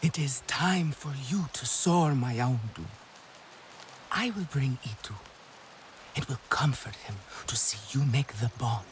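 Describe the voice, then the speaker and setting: A woman's voice: extremely low pitch, expressive, unhurried, slight background noise, poor audio. A woman playing a wise, nurturing Na'vi tribal elder in a video game, with formal, tender phrasing. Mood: tender, encouraging. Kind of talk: dramatic video game acting.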